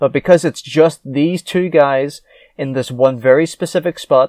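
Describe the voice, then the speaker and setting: In a quiet background with a dry, close sound and no echo, a man speaks in a normal speaking voice, fairly high in pitch with fairly even intonation. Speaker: podcast co-host and game streamer. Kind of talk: casual chat.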